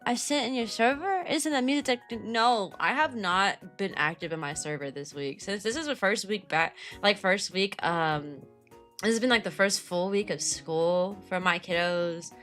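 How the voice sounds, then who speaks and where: A young woman streaming and chatting casually with her viewers, her voice raspy and tired from teaching, greeting viewers by name in quick bursts. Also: medium pitch, fairly bright tone, faint music behind. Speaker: VTuber streamer.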